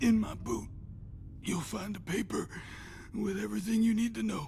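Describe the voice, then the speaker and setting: A man puts on a raspy character voice at a moderate pace. Clear background noise is present. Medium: video game. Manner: gruff, profane.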